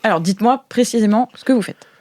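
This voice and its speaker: A woman's voice: on the high side, quick pace, a little mellow, no echo, clean studio sound. A woman running an improvised role-play as game master, colloquial, hesitant and prone to exclaiming.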